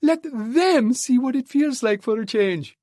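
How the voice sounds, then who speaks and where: A man voicing a clever, bossy monkey father in a storybook audiobook, with an excited, commanding manner. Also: very high voice, measured pace, no echo, clean studio sound, voice pushed up. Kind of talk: audiobook character voice.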